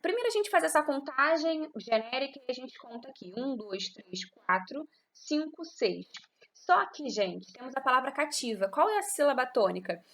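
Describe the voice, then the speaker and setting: A Brazilian Portuguese-accented woman teaches a lesson in a slightly high voice. She explains step by step and keeps checking that her students are following. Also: big pitch swings, moderate pace, fairly bright tone. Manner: patient and explanatory, with frequent check-in tags. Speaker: literature teacher. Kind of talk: online class lecture.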